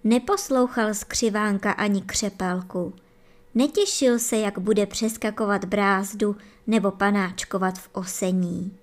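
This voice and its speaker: A woman gently and expressively reading a bedtime fairy tale for children. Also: mid-range voice. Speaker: storyteller.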